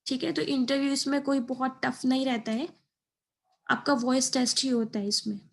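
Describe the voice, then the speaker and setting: Higher-pitched woman with even intonation. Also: moderate pace, vocal fry. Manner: code-switches into English terms, checks in often with a short tag phrase. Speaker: exam preparation tutor. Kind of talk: informal explainer lesson over slides.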